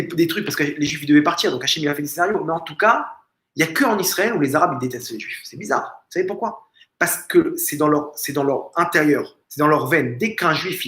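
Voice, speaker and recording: Rabbi, male, somewhat high voice, emphatic lecturing with restarts, roomy home recording. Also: sharp tone. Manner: emphatic, fond of rhetorical questions and repeated phrases; frequent restarts and stumbles. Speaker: rabbi giving a lesson. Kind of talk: informal religious lesson. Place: family home. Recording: echoey room.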